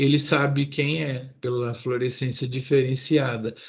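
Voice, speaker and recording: A man speaks at a medium pitch in a somewhat breathy voice. His pace is fairly slow. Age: 60s. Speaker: university professor. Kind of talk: lecture. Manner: casual, conversational.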